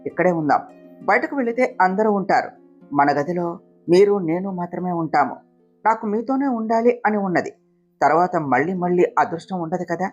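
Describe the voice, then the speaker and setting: A woman voicing a self-sacrificing young wife, speaking softly and pleadingly, in a read-aloud family story. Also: on the low side, dull audio.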